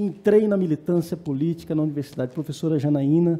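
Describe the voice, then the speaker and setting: Dark and mellow in tone, a man's fairly high voice moves at a fairly quick pace with fairly even intonation. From Brazil, interior of Paraná (Londrina). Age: 40s. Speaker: newspaper columnist. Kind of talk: panel talk. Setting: stage with audience at city council hall.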